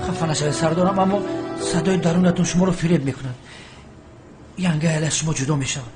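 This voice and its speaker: A man's voice: fairly high pitch, fairly even intonation, music in the background, close to an everyday voice. An actor with a Tajik accent playing a blunt servant warning his master in a dubbed drama.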